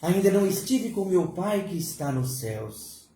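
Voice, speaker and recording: A woman voicing a solemn, gentle male teacher in his last hours, speaking in a slow, grave, hushed way. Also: on the low side, sing-song, a little hiss or hum. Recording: roomy echo.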